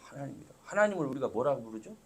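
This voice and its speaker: A middle-aged man preaching a sermon as pastor, talking to the congregation in a conversational way that swells suddenly loud for emphasis and drops to soft asides. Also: mid-range voice, very animated, racing, husky. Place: church sanctuary.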